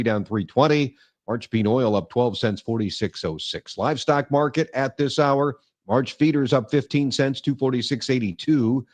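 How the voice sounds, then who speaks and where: A male farm radio market reporter reads out commodity prices. His medium-pitched delivery is clipped and list-like, moving from figure to figure. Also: darkish tone.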